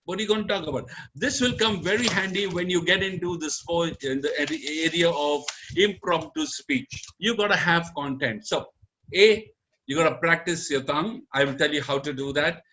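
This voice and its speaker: A man coaches public speaking in a live online lesson. His voice sits a bit high and sounds bright and forceful. He swings his pitch up and down for emphasis and coaxes his audience directly. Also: normal speed, slight background noise. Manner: coaxing, talks directly to the audience.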